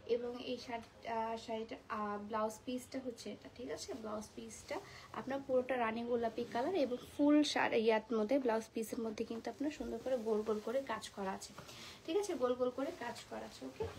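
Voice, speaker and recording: A woman hosts a live sales stream, keeping her voice low and careful while a migraine presses on her. Her voice sits a little high, and she drops English words into her Bengali as she chats with viewers. A faint hiss of noise sits behind her. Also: fairly quick, gravelly, low-quality recording. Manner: speaking softly, mixing English words into Bengali. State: suffering a migraine. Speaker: live sari seller.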